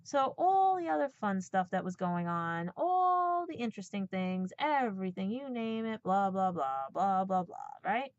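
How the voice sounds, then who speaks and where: A woman's voice: medium pitch, big pitch swings, unhurried, few pauses, no room sound. A woman in her forties giving a blunt, sarcastic personal rant, swearing and checking in with "right?" and "okay?". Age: 40s. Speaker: podcast host. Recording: dull, lo-fi sound.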